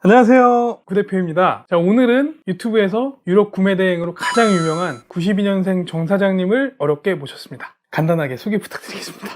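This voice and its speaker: A man's voice: high-pitched, fast, few pauses, slight background noise. Joking male host in his forties. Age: 40s. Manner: jokey, laughs often, short backchannels. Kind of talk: casual interview.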